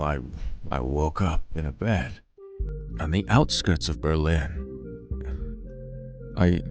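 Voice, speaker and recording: Man acting a low, slow, weary war veteran. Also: darkish tone, no echo, heavily acted. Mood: wistful, fond. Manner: halting, hesitant, understated. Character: weary male war veteran in the afterlife, guarded. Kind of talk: dramatic audio drama dialogue.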